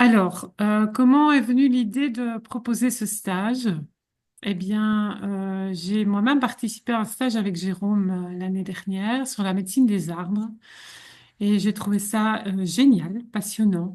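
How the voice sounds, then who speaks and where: Against a quiet background, a woman speaks at a very slow pace in a somewhat breathy voice. Her pitch is medium with ordinary variation. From Belgium. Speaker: sophrologist and olfactotherapist. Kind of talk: casual promotional chat. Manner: halting, many hesitations.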